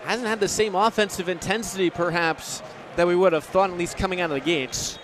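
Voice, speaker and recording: A man's voice: sits high, fairly even intonation, brisk, fairly bright tone. A man in his twenties calling live basketball play-by-play. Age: 20s. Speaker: play-by-play announcer. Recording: faint crowd and gym noise behind. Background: basketball game crowd.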